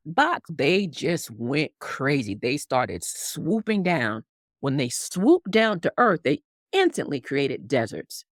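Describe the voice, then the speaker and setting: A woman's voice: medium pitch, no room sound, clean studio sound. A woman guest telling a story in conversation, acting out characters with big swings in voice. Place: Harlem upbringing.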